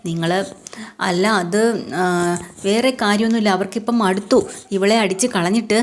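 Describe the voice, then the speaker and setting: A woman's voice: mid-range voice, moderate pace, close to an everyday voice. Woman voicing a scheming, pushy mother. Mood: pleading. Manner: pushy and dramatic, wailing in fake distress. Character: scheming middle-aged mother, bold and manipulative.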